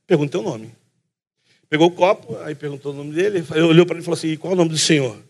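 A man with a Carioca accent preaching a sermon, telling a story with lively energy and acting out both sides of the talk, often calling the listeners brother. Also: a little high, fast talker, creaky. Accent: Carioca Brazilian Portuguese. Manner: calls the listeners "brother" again and again. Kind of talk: sermon with a funny personal story.

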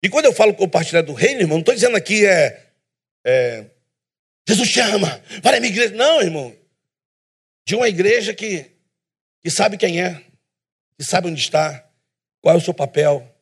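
Animated, husky-voiced man preaching. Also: sits high, normal speed, pauses often. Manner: animated, emphatic, self-deprecating humor. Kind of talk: sermon. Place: church.

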